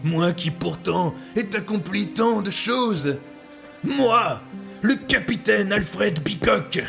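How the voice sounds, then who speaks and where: A man acts out a melodramatic pirate captain with a heavily creaky, fairly high voice. He is a pompous braggart with a grandiloquent turn of phrase, set over faint music in an audio drama. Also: expressive, takes it slowly, heavily acted. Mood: self-pitying. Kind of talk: French audio drama acting.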